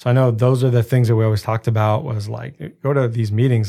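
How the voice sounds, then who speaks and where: A man speaks in a dark, mellow tone. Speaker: podcast co-host. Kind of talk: casual podcast interview.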